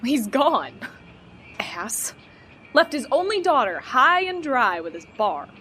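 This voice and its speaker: A bitter female bar owner with a bright-pitched, swooping voice. She is sardonic and expressive, in an audio drama with faint ambient noise behind her. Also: takes it slowly, full character voice.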